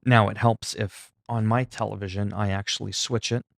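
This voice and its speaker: A man's voice: fairly low pitch, steady tone, moderate pace, gravelly, no echo. A man from Canada whose first language is French, chatting casually on a livestream in a self-deprecating, salty, freely swearing way. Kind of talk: casual rambling livestream chat.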